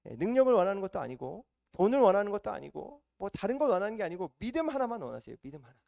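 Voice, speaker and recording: Fervent preacher with a dry, higher voice. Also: male voice, very animated, rapid-fire, creaky, no room sound. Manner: emphatic, repetitive preaching with swings between loud and hushed. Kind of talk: sermon. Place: church service.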